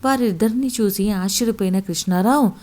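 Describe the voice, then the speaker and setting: A woman storyteller reading a scripted story in a steady, expressive way. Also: medium pitch, brisk.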